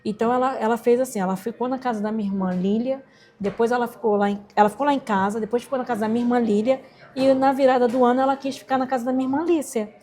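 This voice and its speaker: Animated woman. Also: a little high, racing. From Rocinha, Rio de Janeiro, Brazil. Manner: animated, acts out quoted voices. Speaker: interview guest, entrepreneur and singer. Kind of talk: emotional personal storytelling.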